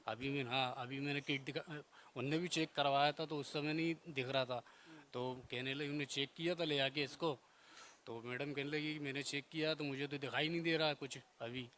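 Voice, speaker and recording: A husband calmly retells a hospital visit in a plain, halting way, with restarts. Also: male voice, medium pitch, slight background noise. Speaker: husband giving testimony. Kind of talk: casual recounting.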